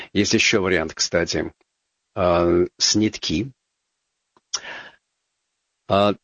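A man's voice: low-pitched, fairly bright tone, no room sound, muffled recording. A man hosting a call-in radio talk show, chatting casually with ironic asides and plenty of filler words. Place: radio studio.

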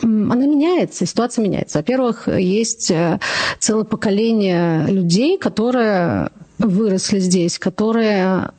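A woman's voice: medium pitch, unhurried, mellow. A woman from Moscow, a political journalist, speaks reflectively as a podcast guest, choosing her phrasing carefully with qualifiers. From Moscow-born, living in Israel. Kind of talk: reflective conversational interview.

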